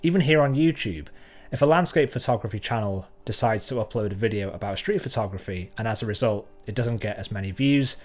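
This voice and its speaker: A man's voice: fairly low pitch, a little fast. Thoughtful man musing to camera. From North Wales. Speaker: photographer and channel host. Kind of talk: reflective talk to camera.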